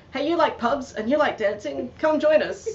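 With an Australian accent, a woman speaks at a moderate pace with ordinary pitch variation over noticeable background noise. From South Australia. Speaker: morris dancer and troupe founder. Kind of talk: interview.

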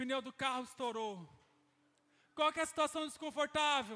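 A man's extremely high, bright, sharp voice, raised and projected, animated in tone, with ordinary pitch variation and a fairly slow pace. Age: 30s. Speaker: preacher. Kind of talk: sermon. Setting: church.

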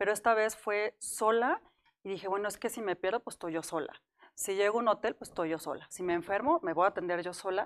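At a very fast pace, a woman with a medium pitch and ordinary pitch variation speaks in a very clean recording with a silent background and a dry, close sound with no echo. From Mexico, Celaya (Guanajuato). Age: 40s. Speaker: mountaineer. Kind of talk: interview.

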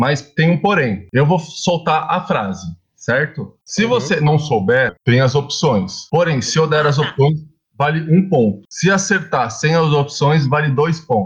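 A man talks at a fairly slow pace with a fairly high pitch and vocal fry. His loudness stays very even. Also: lively intonation. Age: 20s. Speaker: IT business owner, quiz master. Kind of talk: casual chat, game hosting.

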